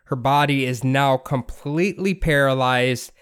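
Smooth-voiced laid-back male podcast host. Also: medium pitch, a little slow, a bit bright. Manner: laid-back, laughs often, swears casually. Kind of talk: casual storytelling chat.

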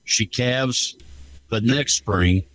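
A livestock marketing rep and cattle owner appears as a guest, giving conversational market commentary in a folksy, plain-spoken way. His mid-range voice is a bit bright, and he speaks extremely slowly.

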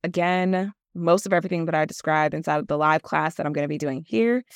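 A woman's voice: deep voice, fast talker, clean tone, no room sound, studio quality. A woman with a nasal voice and a chatty manner, teaching a casual solo podcast class as host and model coach, with many fillers.

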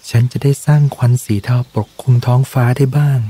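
A man's voice: mid-range voice, flat delivery, a little fast, warm tone, slightly rough, pitched above the performer's own voice, lightly acted. A man voicing a timid young dragon who cannot fly, in a hopeless whisper as whispered role-play.

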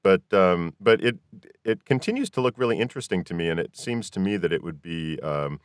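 A man's voice: low voice, a little fast, smooth, no echo, clean studio sound. A man hosting a podcast, chatting casually as he interviews guests. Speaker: podcast host.

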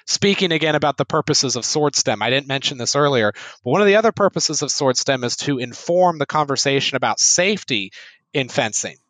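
A man fencing instructor, a podcast guest, explaining in an earnest, steady way with a few small restarts. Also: mid-range voice, fairly quick, no echo, low-quality recording. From United States. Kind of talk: casual podcast interview.

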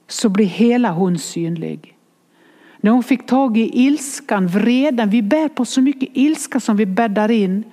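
A woman retelling a children's story and reflecting on it in a gentle, thoughtful manner, with musing asides. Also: medium pitch. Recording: long reverb, as in a hall.

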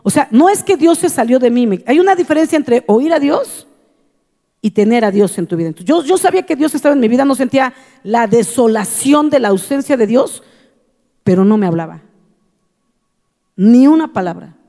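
A woman pastor shares her testimony from the pulpit, telling it earnestly and repeating key phrases for weight. Her voice is mellow and dark in tone. The sound carries a long reverb, as in a large hall. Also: a little high, expressive, brisk. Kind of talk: testimony in a sermon.

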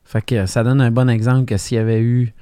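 A man's voice: medium pitch, flat delivery, a little fast, warm tone, smooth, dry recording, clean studio sound. A man with a Québécois French accent interviewing a guest, curious and encouraging, sometimes restarting his questions.

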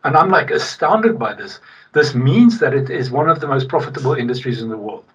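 A man's voice: mid-range voice, expressive, a little fast, husky. A man from South Africa with a South African accent, talking conversationally as an interview guest, emphatic and repeating key points for weight. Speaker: podcast guest, logistics technology executive. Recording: distant, slightly muffled mic.

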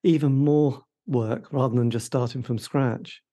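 A male interviewer with a mellow, relaxed tone who keeps the talk moving. He asks leading questions and closes them with little tag questions. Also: mid-range voice, measured pace, lo-fi sound. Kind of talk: casual interview.

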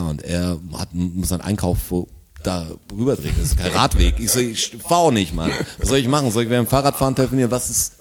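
A man telling a story in casual chat, acting out arguments. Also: low-pitched. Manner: animated storyteller, acts out quarrels.

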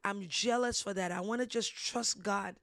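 Woman host chatting about faith, lively storytelling, dry close sound. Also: mid-range voice, normal speed, dry recording. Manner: animated storytelling, laughs often. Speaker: ministry host. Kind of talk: casual faith discussion.

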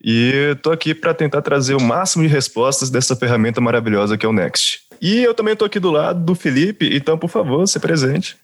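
A man's voice: fairly high pitch, expressive, a little fast, hardly any pauses. A man in his twenties, a developer, explaining eagerly on a casual podcast. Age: 20s. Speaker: developer guest.

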